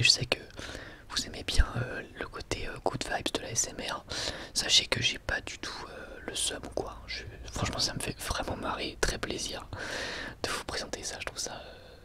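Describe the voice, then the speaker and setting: A man whispers an ASMR product review in a breathy, unvoiced voice, halting and wryly sarcastic, close to the microphone. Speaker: ASMR video host.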